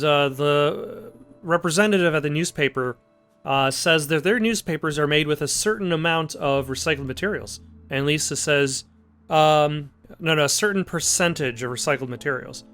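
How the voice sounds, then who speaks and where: A man's voice: fairly high pitch, normal speed, fairly bright tone, soft background music. A man hosting a game playthrough, commenting casually with hesitant, rambling asides. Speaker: let's play host.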